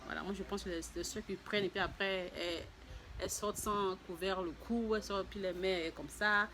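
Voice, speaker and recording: A woman vlogger telling her personal story to viewers in a casual, halting way, often repeating words and restarting her sentences. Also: medium pitch, background noise. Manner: voices other people's lines in a raised, lively tone.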